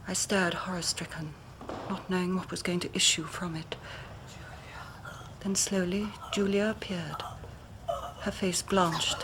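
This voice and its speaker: An actress playing a young woman who earnestly recounts a tragedy to a detective, often dropping to a hush. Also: fairly low pitch, noisy background, lightly acted. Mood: grave. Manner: earnest, dramatic storytelling with hushed passages. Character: young woman recounting her sister's death. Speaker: client telling her story. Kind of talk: radio drama acting.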